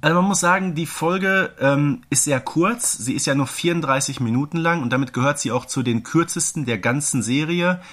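A man's voice: a little high, a little fast, few pauses, fairly bright tone. Man in his thirties co-hosting a podcast. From Germany. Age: 30s. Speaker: podcast co-host. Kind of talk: casual podcast discussion.

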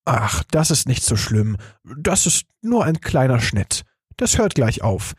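A gentle, helpless father, as a male reader does him, soothing and apologetic in slow, husky speech. The sound is close and dry, like a storybook recording. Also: medium pitch, very animated, no room sound, exaggerated voice. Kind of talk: audiobook reading.

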